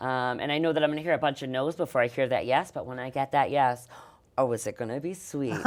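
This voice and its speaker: Talking very fast, a woman uses a very deep, low pitch and fairly even intonation. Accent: Massachusetts. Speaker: stand-up comedian. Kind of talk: interview.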